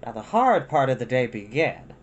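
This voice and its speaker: A storyteller reads a children's book aloud with a lively, varied melody. The delivery is expressive and informal, slipping into casual asides. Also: medium pitch, normal speed, dull audio. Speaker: storyteller and host.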